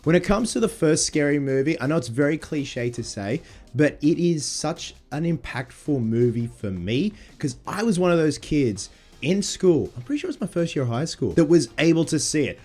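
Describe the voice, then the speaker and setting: A movie vlogger in his thirties chats casually to camera in a slightly high voice made husky and congested by a sinus infection. He's excitable and swears casually.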